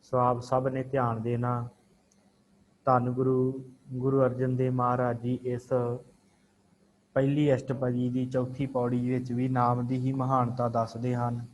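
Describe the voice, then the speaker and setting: A man leads an online scripture class at a middle pitch, chanting each verse slowly before breaking it down in plain explanation. He drills pronunciation by repeating words several times. A faint hiss sits under the recording. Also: monotone, muffled recording. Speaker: Sikh scripture teacher.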